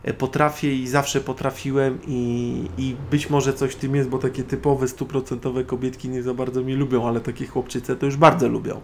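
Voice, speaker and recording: A man's voice: medium pitch, flat delivery, moderate pace, gravelly, few pauses, slight background noise. A man hosting an internet radio show, speaking in a sardonic, opinionated monologue to his listeners. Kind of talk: solo spoken monologue.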